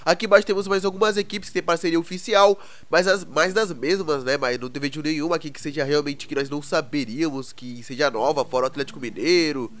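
A young Brazilian man with a cold, his voice congested and hoarse, chatting casually through gaming news and constantly checking in with viewers. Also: fairly high pitch, fast, few pauses, fairly bright tone, dry recording. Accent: Brazilian Portuguese. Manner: chatty, keeps asking the viewers "né, cara?". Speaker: gaming YouTuber.

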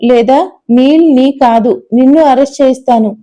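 Lady doing a fiery young girl yelling, all indignant, highish but super mellow. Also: steady tone, unhurried, poor audio. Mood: furious. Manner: shouting, indignant. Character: young woman, fiery and panicked.

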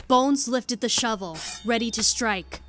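A woman's voice: fairly high pitch, takes it slowly, a bit bright. A woman reading scripted narration for an audio drama as the storyteller. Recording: clear background noise.

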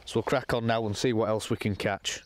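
A young man talking casually to camera while fishing from a lake bank outdoors, explaining his session in a relaxed, matter-of-fact way. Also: on the low side, fairly quick, slight background noise. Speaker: angler presenting a fishing session.

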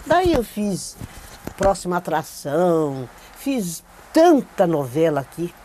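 Recorded on a lapel mic in a studio with a plain backdrop, an older Brazilian actress sits for an oral-history interview and animatedly recounts her career, repeating herself for emphasis. Her lowish, warm voice swings widely in pitch and moves slowly. Slight background noise is present.

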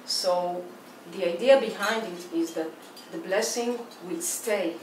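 A woman's voice: fairly low pitch, slow. A woman in her forties from Israel, with an Israeli accent and Hebrew as her first language, answering interview questions thoughtfully and often restarting her phrases. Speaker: artist guest. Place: indoor room with plain walls. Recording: echoey room, distant mic, faint hiss.

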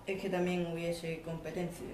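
Teen boy w spain accent reading a radio play script, quick, noisy echoey room. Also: fairly high pitch, monotone. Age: teenager. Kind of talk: scripted narration and dialogue, read aloud. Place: school classroom. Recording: roomy classroom, distant mic, clear noise.

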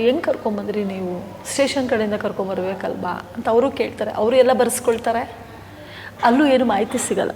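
A woman's voice: a little high, creaky, a little mellow, slight background noise. Middle-aged woman, earnest and emphatic. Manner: earnest, rising to firm emphatic declarations. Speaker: guest, founder of an old-age home. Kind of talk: emotional personal account in an interview. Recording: long hall reverb.

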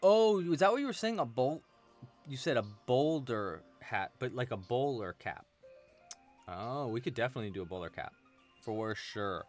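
Lively, chatty young man teaching crochet. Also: medium pitch, moderate pace, faint music behind. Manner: chatty, playful, laughs often, reads chat aloud. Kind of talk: live-stream crochet lesson reading chat. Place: small room at home, indoors.

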